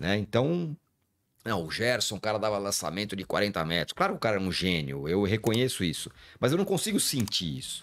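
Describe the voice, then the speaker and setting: Fairly low male voice with very wide pitch swings and a fairly quick pace. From Brazil. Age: 40s. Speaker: football commentator. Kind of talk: casual interview chat. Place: studio. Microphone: studio mic.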